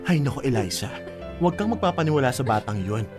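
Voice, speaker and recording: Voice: mid-range voice, big pitch swings, over music, natural voice. An actor playing a sassy, protective, flamboyant gay man of thirty-five in a radio drama, scolding in an exasperated way. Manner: fast, gossipy scolding, exasperated.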